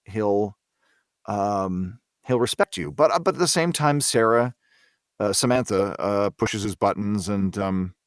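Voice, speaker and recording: Low-voiced man, hesitant and thoughtful. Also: smooth, no room sound, studio quality. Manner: hesitant, thoughtful, halting delivery with repeated words. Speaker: voice actor, interview guest. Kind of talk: reflective interview conversation.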